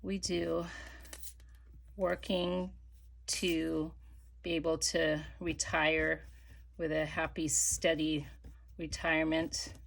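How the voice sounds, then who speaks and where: A middle-aged woman chatting casually while she crafts, rambling with many fillers and dropping to soft murmurs as she works. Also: low voice, level tone, slow pace, gravelly, pauses often. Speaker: crafting vlogger.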